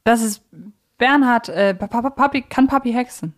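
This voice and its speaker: Woman, podcast host, casual chat, playful manner, medium pitch. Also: moderate pace. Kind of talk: casual chat, fan quiz.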